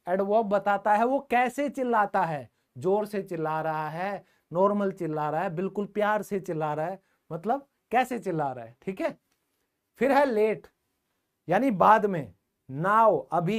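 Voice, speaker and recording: A man teaching English grammar in a live online class, speaking in a colloquial, jokey way and talking directly to his students. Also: high-pitched.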